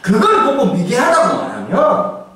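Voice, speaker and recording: A pastor in his forties giving a humorous, animated sermon, now and then acting out voices and shouting for effect. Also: very high-pitched, moderate pace. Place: church sanctuary. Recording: echoey church hall, distant mic, faint ambience.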